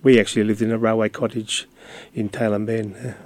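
An older man speaks in a level, unvaried voice, pausing often on fillers and restarting his sentences. The sound is close and dry, with no room around it. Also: lowish voice, level tone, a little mellow, dry recording. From Australia. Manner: hesitant, many fillers and restarts. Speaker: community radio guest. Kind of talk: casual interview talk.

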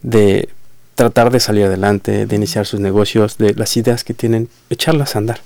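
A man's voice: on the low side, fairly even intonation, moderate pace, gravelly, a little mellow, dry recording. A man hosting a community program, speaking effusively and often repeating words as he searches for the next one. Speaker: host.

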